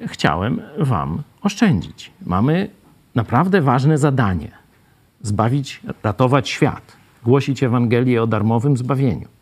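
A man talks at a fairly slow pace in a medium-pitched voice with vocal fry. His pitch swings very widely while his loudness stays very even. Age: 70s. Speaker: Bible study leader. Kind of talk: Bible study teaching. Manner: conversational.

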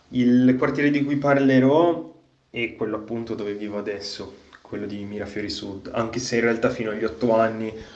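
Audible room echo and noticeable background noise surround a man's voice. He speaks at a medium pitch with fairly even intonation. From Italy, Turin. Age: 20s. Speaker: neighborhood resident. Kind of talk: personal testimony.

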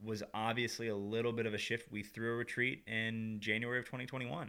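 A man speaks at a moderate pace in an ordinary speaking voice, his medium pitch carried with fairly even intonation. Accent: American. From Georgia, US (Peachtree City, near Atlanta). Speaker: podcaster, former sheriff's office worker. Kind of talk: personal testimony in interview. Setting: studio, in person.

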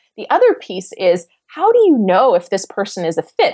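Speaking with a Canadian accent, a woman has an unremarkable speaking voice at a medium pitch. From western Canada. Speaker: real estate investor and sales expert. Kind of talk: podcast interview.

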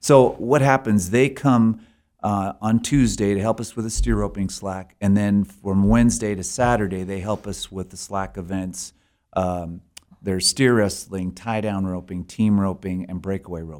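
In a very clean recording with a silent background, a man uses an ordinary speaking voice, fairly low in pitch, at a moderate pace with ordinary pitch variation. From Canada, Alberta. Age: 60s. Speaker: rodeo organizer. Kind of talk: casual interview.

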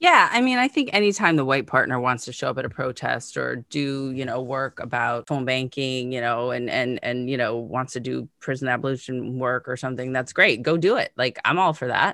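A woman with an American accent, very deep and low in pitch, at a fairly quick pace with ordinary pitch variation. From United States. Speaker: podcast host and social justice educator. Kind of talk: interview conversation. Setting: video call.

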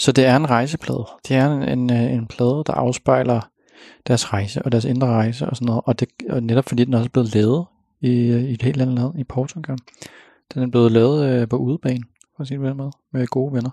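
Despite a fairly quick pace, the speech has long, frequent pauses and fairly even intonation, recorded dry and close with no echo against a quiet background. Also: man, medium pitch for a man. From Copenhagen, Denmark. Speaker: radio host. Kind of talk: radio music show. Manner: hesitant, many fillers.

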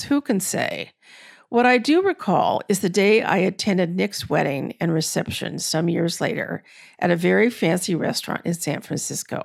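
With an American accent, a woman speaks at a moderate pace in a medium pitch, with lively intonation and vocal fry. The recording is very clean, with a silent background. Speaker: author and podcast host. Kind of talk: memoir narration.

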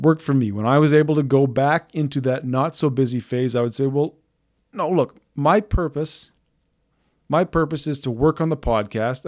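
A man with an ordinary speaking voice and a fairly high pitch talks at a moderate pace with ordinary pitch variation, in a very clean recording with a silent background and a dry, close sound with no echo. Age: 30s. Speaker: self-help podcast host. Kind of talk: solo monologue podcast. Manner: conversational with filler words.

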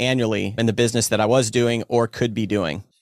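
An ordinary speaking voice at a fairly quick pace, dry and close with no echo. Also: man, very clean recording, silent background. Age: 40s. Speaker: documentary filmmaker. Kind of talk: casual chat.

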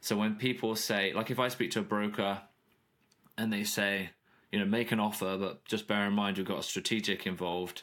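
In a British accent, the speaker talks fairly quickly with flat, monotone intonation and very even loudness. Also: man, fairly low pitch for a man. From UK. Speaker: business buyer and accountant. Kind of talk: interview.

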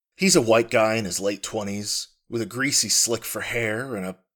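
On a very clean recording with a silent background, a man with a plain, everyday voice speaks at a fairly low pitch and a moderate pace. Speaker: podcast actor and author. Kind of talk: dramatic first-person narration, reading aloud a written story.

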